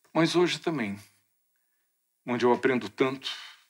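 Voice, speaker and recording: The voice is a man's, set at a medium pitch. It rises and falls in an ordinary way. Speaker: physician and ageing researcher. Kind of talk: lecture.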